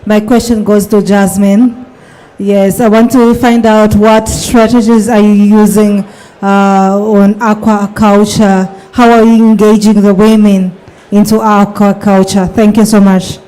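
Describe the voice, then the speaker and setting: Flat-voiced woman from Zambia. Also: mid-range voice, unhurried, faint music behind, poor audio. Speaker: audience member. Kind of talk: question from the floor.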